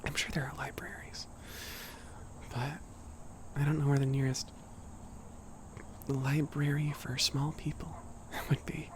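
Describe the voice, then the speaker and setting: A young man voicing a sweet, shy giant cat boy in a soft, near-whispered ASMR roleplay, chatting gently and hesitantly to a small friend. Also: fairly high pitch, flat delivery, slow pace, pauses often, noisy background. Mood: shy, helpful. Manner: gentle, hesitant, rambling, apologetic. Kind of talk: ASMR roleplay, casual chat to listener.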